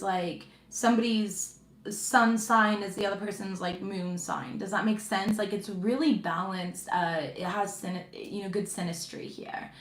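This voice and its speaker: Chatty woman tarot reader, echoey room. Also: medium pitch. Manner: chatty, reassuring, many fillers and "okay?". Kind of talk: casual tarot reading to viewers.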